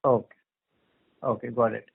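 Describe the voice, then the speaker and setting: A man's voice: medium pitch, level tone, moderate pace, creaky, slightly rough. A man with an Indian accent asking polite, tentatively phrased questions as a financial analyst on a conference call. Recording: narrow, muffled phone line.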